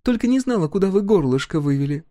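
A man voicing a practical, sharp-tongued peasant woman in a storybook reading, speaking in a brisk, scolding whisper. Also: high-pitched, lively intonation, no echo, studio quality, voice pushed up. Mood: scheming.

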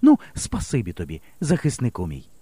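A man voicing a brave, resolute young woman, a village teacher who speaks in a bright, brisk and reassuring way in an audiobook. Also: medium pitch, huge pitch swings, breathy edge, no room sound. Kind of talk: audiobook character voice.

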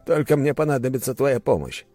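A man's voice: medium pitch, animated, brisk, dark tone, no room sound, soft background music, voice pushed up, close to an everyday voice. Brief: man playing a calculating middle-aged prince, soothing on the surface. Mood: smooth. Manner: falsely concerned, reassuring. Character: scheming, smooth-talking middle-aged prince. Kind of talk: audiobook character voice.

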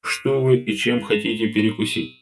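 A man voicing a polite, literal-minded artificial intelligence that speaks in a flat, formal, measured way. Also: on the low side, close to an everyday voice.

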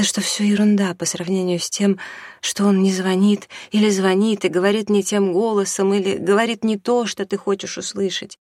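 A reader voicing a desperate mother torn by a new love, pleading in a husky, high, breaking voice. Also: no room sound, studio quality, lightly acted. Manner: pleading, tearful, rising to high anguished pitch. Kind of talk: audiobook reading.

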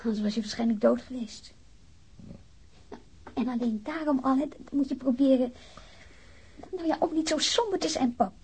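An actress playing a young, caring daughter who gently coaxes and questions her wounded father in a radio play. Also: sits high, normal speed, pauses often, breathy edge, exaggerated voice. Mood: earnest, coaxing. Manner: gently probing, coaxing, hesitant. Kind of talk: naturalistic radio play acting.

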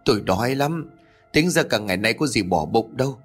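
A man voicing a gruff middle-aged father in a horror story, curt and brusque. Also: mid-range voice, lively intonation, brisk, soft background music, lightly acted.

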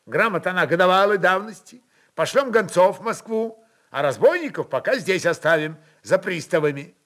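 A man's voice: high-pitched, lively intonation, normal speed, fairly bright tone, voice pushed up. A man playing an indignant young prince, agitated and declamatory with youthful heat. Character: indignant, hot-headed young male prince.

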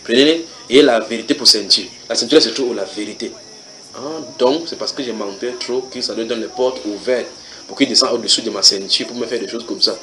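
Animated preacher man. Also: medium pitch, a little fast, noisy background. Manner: animated, rhetorical questions, swings from loud to quiet. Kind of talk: church sermon teaching.

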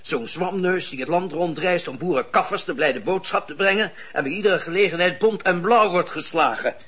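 A cynical male schemer in a radio play, his voice fairly high and husky with a hard, forceful edge. He is sardonic and bossy, stressing his points on a dull recording. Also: moderate pace. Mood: sardonic, scheming. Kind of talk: Dutch radio drama acting.

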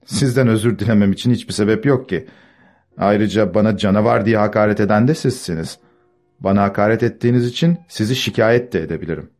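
A quiet, self-assured old manservant answers with cool scorn, as a man reading an audiobook voices him. His voice sits low, over faint music. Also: quick pace, natural voice. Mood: scornful. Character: calm, mocking older male servant.

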